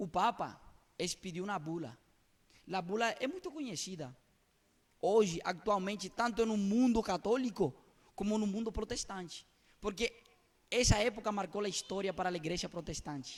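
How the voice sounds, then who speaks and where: Speaking with a Spanish accent, a man with a high pitch keeps a moderate pace and ordinary pitch variation, broken by long, frequent pauses. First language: Spanish (speaking Portuguese). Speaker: preacher. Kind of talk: sermon.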